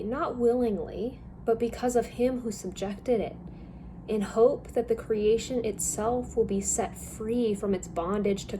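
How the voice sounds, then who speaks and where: A young woman calmly reading a Bible passage aloud, in a careful, even manner. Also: on the high side, slight background noise, poor audio. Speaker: scripture reader.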